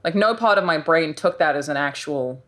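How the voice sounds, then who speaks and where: Deep-voiced woman, blunt and frank. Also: animated, moderate pace, fairly bright tone. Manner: blunt and frank, with casual swearing. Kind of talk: casual panel discussion.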